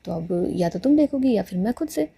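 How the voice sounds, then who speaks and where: A woman's voice: mid-range voice, animated, fairly quick, gravelly, warm tone, slightly rough, pitched below the performer's own voice, full character voice. A woman voicing a playful, sarcastic young woman who teases her girlfriend. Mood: teasing. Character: teasing, bossy young woman in love.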